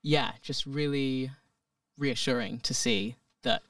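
A man's voice: medium pitch, fairly even intonation, slow pace, a bit bright, clear, resonant tone, no room sound. Cheery guy on a podcast, lots of ums and laughs, dry room, mic kinda distant. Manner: upbeat, frequent laughs and fillers. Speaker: guest actor. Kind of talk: casual podcast chat.

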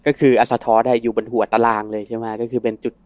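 A man's voice: mid-range voice, level tone, racing, darkish tone, no room sound. A man co-hosting a podcast, explaining lore at length in casual chat and laughing between points.

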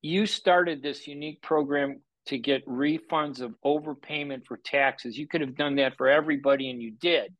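A man's voice: medium pitch, moderate pace, few pauses, a bit bright, no room sound, rough recording. A man hosting a radio interview show, asking leading questions and setting the scene for his listeners. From USA.

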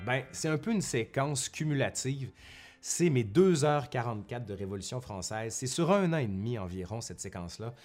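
Male history vlogger, Québécois accent, mid-pitched voice, informal and talkative, faint music in the recording. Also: a little mellow. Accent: Québécois French. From Quebec, Canada. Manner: chatty, self-correcting, with colloquial asides. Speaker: history YouTuber and university professor. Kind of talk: casual vlog monologue to viewers. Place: at home in front of a bookshelf.

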